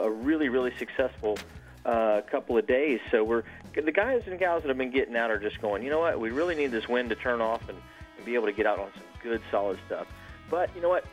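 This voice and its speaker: A man's voice: mid-range voice, poor audio. A man from Florida, a regional fishing captain, giving an easygoing fishing report with plenty of fillers. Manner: relaxed, explanatory, with fillers.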